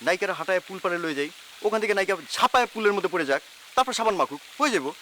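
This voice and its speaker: An actor playing an eager production assistant who rushes to calm his boss. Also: high-pitched, a little hiss or hum. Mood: explaining. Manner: hurried, placating. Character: eager male production assistant, hurried and flustered.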